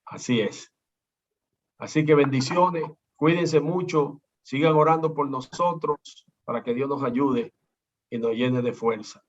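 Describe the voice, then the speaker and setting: A man preaching and teaching a congregation in an animated way, acting out the people he quotes. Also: medium pitch, a little slow. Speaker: pastor. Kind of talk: preaching talk. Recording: dull lo-fi sound.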